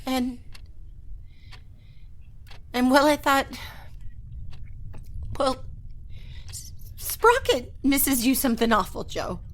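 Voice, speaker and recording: A woman's voice: high voice, sing-song, slow, long pauses, full character voice. An actress playing Anna, an earnest young woman in a retro sci-fi radio drama, pleading and stammering when upset. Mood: tender. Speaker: first-person narrator and lead. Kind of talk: golden-age style radio drama acting.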